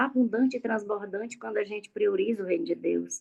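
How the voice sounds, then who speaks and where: The speaker is a woman with a fairly high pitch. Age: 60s. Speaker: devotional group participant. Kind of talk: testimony. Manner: animated.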